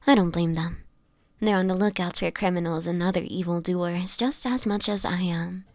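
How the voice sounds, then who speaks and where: A woman playing a sickly, homeless vampire in an intimate audio roleplay, speaking softly and haltingly, often in a whisper, with formal old-fashioned wording and gentle melancholy. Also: on the low side, fairly even intonation, no echo, clean studio sound, natural voice. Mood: sorrowful, weary. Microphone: close microphone, dry.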